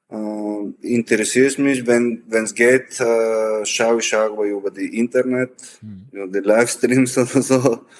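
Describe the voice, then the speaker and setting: A man with a Bulgarian accent speaks at a medium pitch in a flat monotone, very slowly and with hardly any pauses. His loudness swings widely. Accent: Bulgarian, foreign. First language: Bulgarian (speaking German). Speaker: former footballer. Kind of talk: casual interview. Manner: halting.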